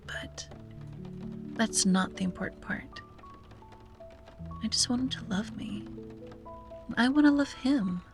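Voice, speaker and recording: A woman playing a wistful, self-doubting young sea-witch in an ASMR roleplay, speaking softly and breathily with hesitant musing and frequent drops to a whisper. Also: fairly low pitch. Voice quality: breathy, often dropping to a whisper. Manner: hesitant, musing, sighing, gently playful. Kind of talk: ASMR roleplay, soft intimate monologue.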